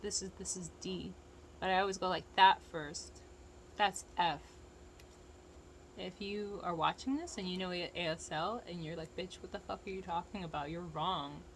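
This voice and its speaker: A woman's voice: medium pitch, gravelly, slight background noise, rough recording. An American woman with a lisp, talking casually and frankly in a rambling, profane, opinionated rant to viewers. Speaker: vlogger giving opinions.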